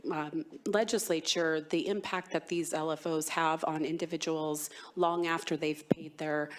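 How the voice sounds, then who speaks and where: A woman's voice: low-pitched, fairly even intonation, a little slow, slight background noise. A woman lawmaker testifying to a committee, her voice worn by a cold, earnest with many ums. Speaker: state legislator testifying.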